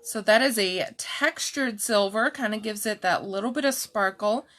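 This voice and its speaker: A middle-aged woman with a calm, soft-spoken voice, chatting slowly through a live jewelry showcase and answering viewers by name. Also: medium pitch. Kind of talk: slow live-stream product showcase chat.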